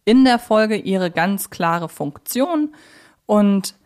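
A woman's voice: mid-range voice, expressive, extremely slow, a little mellow. A woman co-hosting a podcast, discussing fictional characters in a casual, thoughtful and opinionated way. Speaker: podcast co-host. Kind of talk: casual fan discussion of audio drama characters.

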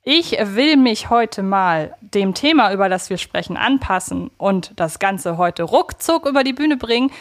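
A woman co-hosting a podcast in casual chat, talking reflectively and thinking aloud. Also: medium pitch. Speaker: podcast co-host.

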